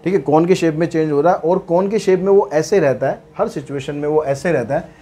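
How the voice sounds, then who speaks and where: A man's voice: a little high, mellow, breathy edge. Chatty man explaining maths problems. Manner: chatty, asks and answers his own questions, mixes English phrases into explanation; reads English problem text slowly and deliberately. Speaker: maths teacher.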